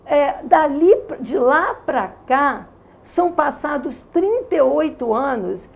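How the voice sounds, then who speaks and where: An interview guest in her sixties, from Rio de Janeiro and speaking Carioca Brazilian Portuguese, recounts her religious testimony with deep feeling and sincerity. Her voice is high-pitched, expressive and slow, with vocal fry. The recording sounds muffled.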